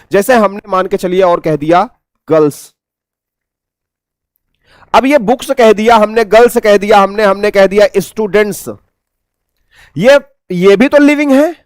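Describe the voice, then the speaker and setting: A man's voice: high voice, no room sound. A man with an Indian accent teaching an exam-prep English lesson, explaining by asking the class questions and answering them himself.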